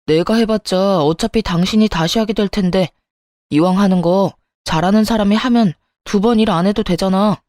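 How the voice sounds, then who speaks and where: A woman's voice: mid-range voice, moderate pace, a little mellow, dry recording, clean studio sound, close to an everyday voice. A woman voicing an arrogant doctor husband who talks down to his wife and brushes off her complaints. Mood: nagging. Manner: condescending, nagging, brushing off complaints. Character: arrogant dismissive doctor husband, adult man. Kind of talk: Korean story radio reading.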